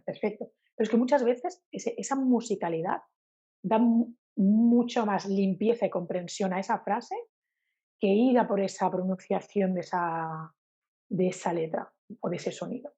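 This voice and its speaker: A woman's voice: medium pitch, measured pace, mellow, slightly rough, dull audio. A woman from Spain, a Spanish teacher being interviewed, who talks animatedly and acts out her examples with a sing-song voice. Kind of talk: casual interview talk.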